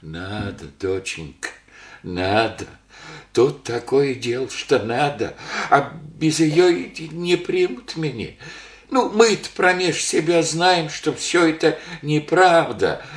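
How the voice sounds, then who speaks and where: A meek old village grandfather in a vintage radio play, speaking slowly with a lively, rising and falling pitch. His folksy, hesitant rustic drawl rings in a roomy old studio. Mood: pleading. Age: older. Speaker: old father visiting his daughter. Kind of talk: Soviet radio play acting.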